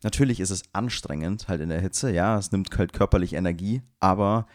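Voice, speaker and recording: A man's voice: sits low, brisk, no room sound, studio quality. A man from Germany co-hosting a casual podcast, talking in a slangy, laid-back way and laughing often. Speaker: podcast co-host. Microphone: remote recording setup.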